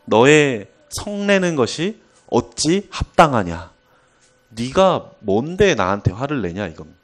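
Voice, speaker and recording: A man preaching a sermon, telling a Bible story in an animated way with occasional chuckles. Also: medium pitch.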